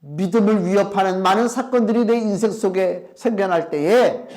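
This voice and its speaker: A man's voice: sits high, moderate pace, a little mellow. A male pastor preaching a sermon in an emphatic, conversational way, asking the congregation questions and acting out quotes.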